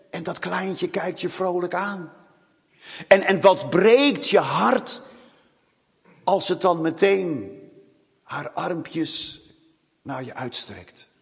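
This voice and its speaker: A man's voice: high-pitched, gravelly. A man preaching a sermon who often repeats the first word of a phrase. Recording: long hall reverb.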